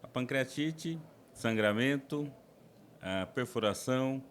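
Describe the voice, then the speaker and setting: A man's voice: medium pitch, animated, slow, a little hiss or hum. A man from the interior of São Paulo, a guest endoscopist explaining his work in a podcast interview, with frequent restarts and fillers. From interior of São Paulo state, Brazil.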